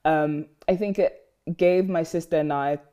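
A young Ghanaian woman chats casually as a podcast guest in an interview, relaxed and rambling, with lots of "like" and "um". Her voice is deep and clean at a moderate pace, though the sound is lo-fi.

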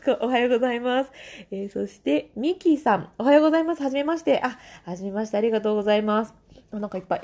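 A woman's voice: fairly high pitch, darkish tone. Chatty woman podcaster, laughs often. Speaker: podcast host. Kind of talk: casual solo talk reading listener comments.

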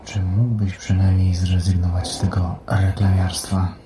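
Audio drama job applicant: restrained, clipped, flat intonation, faint noise behind him. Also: male voice, sits low, a little slow. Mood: privately scornful. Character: job-seeking father, outwardly polite, inwardly resentful man.

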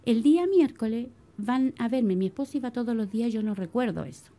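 Middle-aged Chilean churchwoman, lively testimony storyteller, fairly high, warm tone. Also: a little fast. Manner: animated storytelling, addresses listeners as brothers. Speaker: church member giving testimony. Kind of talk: spoken religious testimony.

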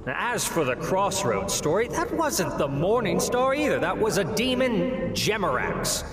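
A man's voice: high-pitched, very animated, measured pace, over a noisy crowd. A man playing a haughty, fussy demon in an audio drama, exasperated and scornful of humans. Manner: exasperated, disdainful, theatrical. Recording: echoey hall with background noise.

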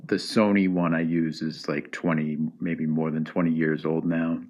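Deep-voiced man hosting a rambling podcast. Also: little pitch movement, moderate pace, a little mellow, highs cut off. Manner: rambling, with frequent ums and restarts. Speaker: podcast host. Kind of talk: casual solo podcast monologue. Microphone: iPod built-in microphone.

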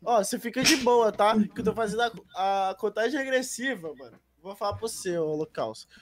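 A man's voice: high-pitched, expressive, brisk, a crowd in the background. A Brazilian man co-hosting a podcast, teasing the others with crude banter. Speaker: podcast co-host. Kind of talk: casual podcast chat.

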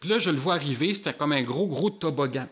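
A man with a Québécois French accent, telling a personal story in an animated way with local slang. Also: on the high side, fast talker, breathy edge.

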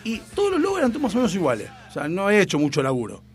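Young Rioplatense man, animated storyteller, crude and playful, pitch jumping all over. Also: very fast. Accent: Rioplatense Spanish. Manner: animated, crude slang, acts out quotes. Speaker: storyteller host. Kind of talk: casual storytelling chat.

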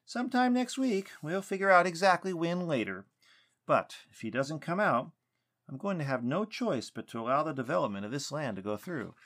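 Narrator as a polite, awkward investigator, pitched up. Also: male voice, very animated, normal speed, fairly bright tone, heavily acted. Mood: stern, doubtful. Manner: hesitant, courteous, businesslike. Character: polite, awkward male investigator, doubtful but firm. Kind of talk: audiobook character dialogue.

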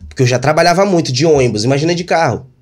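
A man with a Brazilian accent, a guest in an interview, telling a personal story in an animated way with lots of fillers. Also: a little high, rapid-fire.

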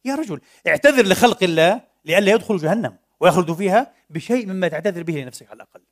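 A man preaching a mosque sermon, animated, firing rhetorical questions and swinging between loud and soft. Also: high voice, very fast. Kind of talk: Friday sermon.

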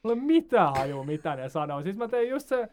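A man's voice: sits high, very animated, a little mellow, slight background noise. A young man, a student, rambling through self-mocking anecdotes in casual chat.

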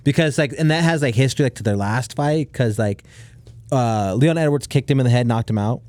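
A man's voice: medium pitch, fairly quick, darkish tone, no echo. A young man co-hosting a podcast in casual chat, laid-back and full of "like" and "dude". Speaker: podcast co-host.

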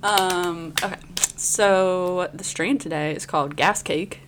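A woman with a slightly low voice co-hosts a podcast. Her delivery is casual and easygoing, in an informal conversational style. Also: slow, background noise. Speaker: podcast co-host. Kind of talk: casual chat.

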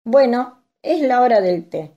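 A woman playing a feisty older grandmother, firm and sharp-tongued, with a Rioplatense Spanish accent. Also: a little high, expressive, unhurried, lo-fi sound.

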